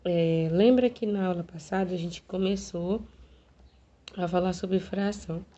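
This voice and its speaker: A woman teacher with a Brazilian Portuguese accent, hoarse from a cold, giving an online math lesson in a quiet, hesitant way with many fillers. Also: on the low side, fairly even intonation, measured pace. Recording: dull lo-fi home video recording.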